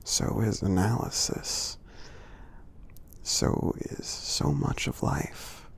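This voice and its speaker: A man heavily acts the part of a gentle, kind giant in an ASMR roleplay, with slight background noise in the clip. He speaks softly and reassuringly in a husky, breathy, gravelly low half-whisper, slowly and with frequent pauses, aiming to soothe and support.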